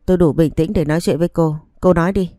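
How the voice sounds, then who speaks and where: A woman's voice: on the low side, fast, dry recording, clean studio sound, faint music behind, natural voice. A woman reading a story aloud, voicing a stern young husband who speaks to his wife in a cold, accusing way. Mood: reproachful. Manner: cold, accusing, flatly reproachful.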